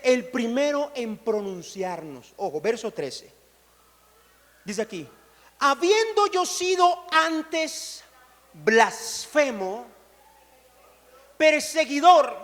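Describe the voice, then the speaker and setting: Male pastor, very high voice, call-and-response sermon, long church reverb. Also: fairly bright tone. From Colombia. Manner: call-and-response, urging the congregation to repeat phrases. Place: large church hall.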